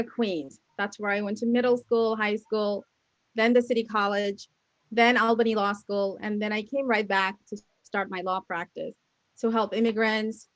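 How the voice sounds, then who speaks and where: Earnest woman, a bit high-pitched. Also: lo-fi sound. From Bangladesh. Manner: earnest, lists names and groups one by one. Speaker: city council candidate, attorney. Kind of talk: answering interview questions.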